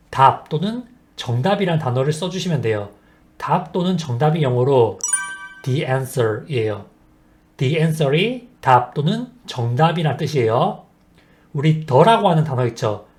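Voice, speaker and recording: Lively-voiced man teaching basic English. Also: fairly high pitch. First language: Korean. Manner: slow, deliberate explanations with modeled example sentences. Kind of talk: scripted language lesson.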